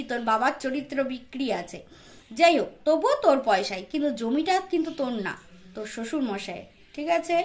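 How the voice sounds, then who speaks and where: Sharp-tongued scolding Bengali woman. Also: high voice. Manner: scolding, sarcastic, frequent fillers. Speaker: commentary channel host. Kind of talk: casual roast commentary.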